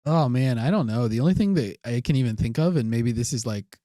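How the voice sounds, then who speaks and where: Mellow-voiced man trading playful jokes. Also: mid-range voice, lively intonation, dry recording, studio quality. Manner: playful banter, quick jokes, laughs often. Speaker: podcast co-host. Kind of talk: casual comedic chat.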